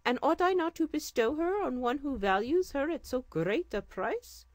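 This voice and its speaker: A woman's voice: sits high, expressive, normal speed, no echo, pitched above the performer's own voice. A woman voicing a grand, commanding male sultan in a regal, declaiming manner. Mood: delighted.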